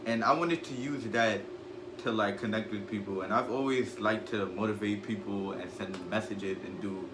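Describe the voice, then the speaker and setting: A man's voice: lowish voice, fairly even intonation, normal speed. A fifteen-year-old boy from Guyana answering interview questions in an outspoken, talkative way. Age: teens. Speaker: student guest. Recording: echoey room with noise.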